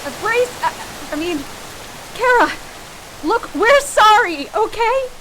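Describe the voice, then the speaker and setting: A timid, guilty young woman played by an actress pleads in a horror radio play. Her very high voice jumps about as she stammers, over loud rainy noise. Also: expressive, slow pace, full character voice. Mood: panicked, guilty. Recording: loud rain-like background noise.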